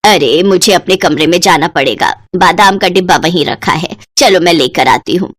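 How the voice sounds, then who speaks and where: A woman's voice: fairly low pitch, moderate pace, voice pushed down, natural voice. A woman voicing a stern older mother-in-law who scolds her daughter-in-law in a cartoon story. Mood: coaxing.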